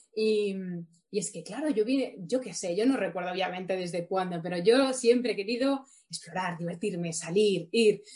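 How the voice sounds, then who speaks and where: The speaker has lively intonation and a somewhat breathy voice. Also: woman. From Madrid, Spain. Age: 30s. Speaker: beauty entrepreneur. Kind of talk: casual interview.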